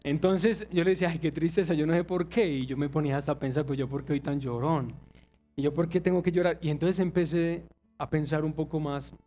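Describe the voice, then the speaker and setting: A man's voice: a little high, a little fast, dark tone, soft background music. A man, preaching a confessional sermon and acting out quoted voices. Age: 30s. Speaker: pastor.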